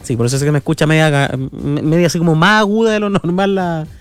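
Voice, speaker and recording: A young Chilean man hosting a radio show in casual chat, his nose stuffed up from a cold, chatty and relaxed with frequent filler tags. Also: on the high side, fast, clear, resonant tone, no room sound, soft background music. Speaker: radio host. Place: radio studio.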